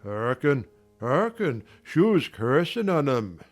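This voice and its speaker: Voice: mid-range voice, sing-song, takes it slowly, soft background music. A reader doing a bawling old servant. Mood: accusing. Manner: loud, drawling, shouting alarms. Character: ancient cantankerous male farm servant.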